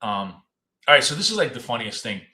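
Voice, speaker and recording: A man's voice: mid-range voice, big pitch swings, brisk, pushed and bright, echoey room. A man hosting a live trading stream from his home office. He talks in a loose, chatty way, repeats words often, and is losing his voice. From United States. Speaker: trading show host. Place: home office in a city apartment.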